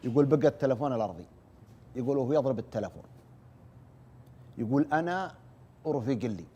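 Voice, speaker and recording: A man retelling a war story as an oral storyteller, brisk and earnest, repeating "he says" as he goes. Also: mid-range voice, lively intonation, warm tone, slightly rough.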